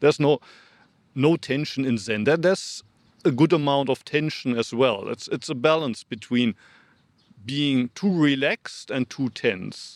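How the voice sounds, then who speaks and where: With a German accent, a man talks at a fairly slow pace and a fairly high pitch, his pitch varying in an ordinary way, in a dry, close sound with no echo on a very clean recording against a silent background. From Germany. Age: 50s. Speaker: Zen monk, former temple abbot. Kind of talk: casual interview.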